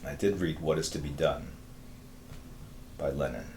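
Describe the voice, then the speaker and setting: A man's voice: a bass voice, a little slow, darkish tone, echoey room, slight background noise. A man in his fifties hosting a live drawing stream, chatting casually with viewers and rambling through answers with many fillers. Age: 50s. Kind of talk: casual chat reading viewer messages.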